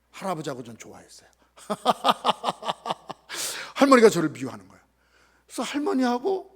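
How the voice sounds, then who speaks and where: Pastor, male, high and lively voice, sermon storytelling, acts out quoted voices. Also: breathy edge. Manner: animated, acts out quoted family members in voices.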